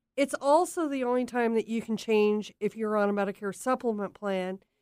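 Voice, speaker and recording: A woman with a plain, everyday voice, a fairly high pitch, ordinary pitch variation and a moderate pace, in a dry, close sound with no echo. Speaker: Medicare broker. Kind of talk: radio interview, advice call-in.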